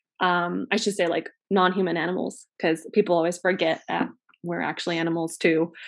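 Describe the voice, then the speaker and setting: Speaking at a fairly quick pace with vocal fry, a woman keeps a fairly low pitch and fairly even intonation against a quiet background. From UK. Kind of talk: casual discussion podcast.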